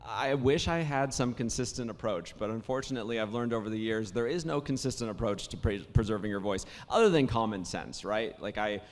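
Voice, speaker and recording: Hoarse man speaking in a panel hall. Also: on the low side, brisk, hardly any pauses, slight background noise. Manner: warm storytelling, many restarts and fillers. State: hoarse from days of talking. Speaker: voice actor panel guest. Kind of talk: casual convention panel talk.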